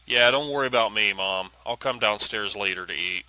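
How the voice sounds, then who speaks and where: A man's voice: fairly low pitch, a little fast, pushed and bright, poor audio. A man voicing a hurt, defiant teenage daughter in a story game, earnest and confrontational. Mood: withdrawn.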